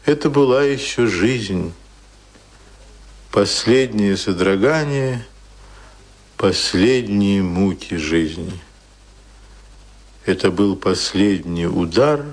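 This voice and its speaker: A man narrating a radio play in a grave, measured, suspenseful literary style. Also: deep voice, exaggerated voice. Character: grave male narrator of a drowning man's end.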